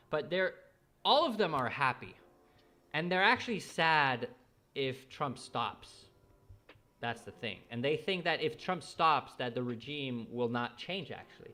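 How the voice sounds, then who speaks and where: This man's voice sits fairly high in pitch and has a bright, sharp tone. He talks at a fairly slow pace, with long, frequent pauses. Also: lively intonation, very clean recording, silent background. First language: Spanish. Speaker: live-stream market commentator. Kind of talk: casual live-stream chat. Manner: halting, self-correcting.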